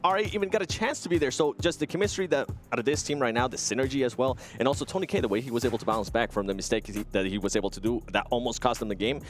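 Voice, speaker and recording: A man analysing matches on an esports desk, eager and energetic, English being his second language. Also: mid-range voice, rapid-fire, hardly any pauses, soft background music. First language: not English. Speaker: esports caster.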